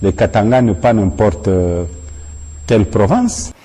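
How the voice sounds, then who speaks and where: A man making a measured, formal public statement. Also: fairly low pitch, warm tone, breathy edge. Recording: distant voice in an echoey hall.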